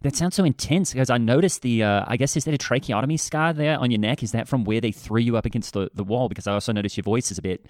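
A man's voice: mid-range voice, fast talker, hardly any pauses, darkish tone, no room sound, studio quality, lightly acted. A man playing a wholesome, naive Christian podcast host in an improvised comedy interview, hesitant and full of concern. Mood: gentle, curious. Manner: hesitant, repetitive, overly concerned.

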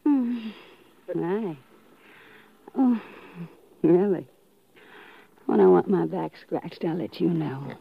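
A woman's voice: fairly low pitch, slow, vocal fry, pauses often, slightly rough, dry recording, full character voice. A woman acting as a haughty, flippant female crook in a 1950s radio drama, with an arch delivery. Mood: cool, haughty. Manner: arch, exasperated. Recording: muffled old radio recording.

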